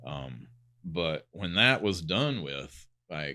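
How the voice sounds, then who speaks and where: Very deep, low male voice with a Southern US accent, bright, sharp tone, and vocal fry, on a very clean recording with a silent background. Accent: Southern US accent, noticeable. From Georgia, US South. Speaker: blues musician and music instructor. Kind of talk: casual interview chat.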